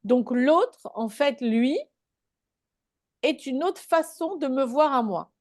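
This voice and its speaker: A woman's voice: high-pitched, animated, takes it slowly, dry recording, clean studio sound. A woman giving a live spiritual talk to a small online group, speaking conversationally and checking in with her listeners.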